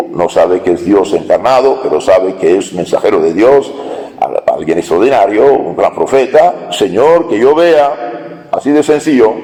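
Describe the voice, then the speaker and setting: A priest preaching a sermon, telling a Gospel story in a slow homily with hesitations. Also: male voice, on the low side, warm tone, long reverb tail, low-quality recording.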